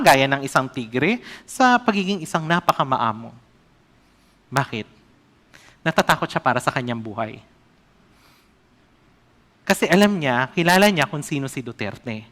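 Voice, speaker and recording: Male evangelist preaching, bit high voice, swings up and down a lot, keeps asking the church questions. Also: sharp tone. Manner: asks the congregation questions often; reads scripture aloud slowly. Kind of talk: sermon.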